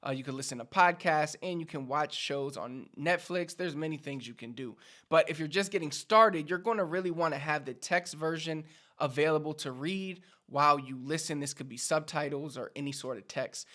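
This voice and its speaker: A man's voice: fairly high pitch, moderate pace, bright, forceful tone. A Puerto Rican man with a Puerto Rican accent teaching Spanish to viewers in an upbeat, instructive way. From Puerto Rico. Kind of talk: direct-to-camera language lesson.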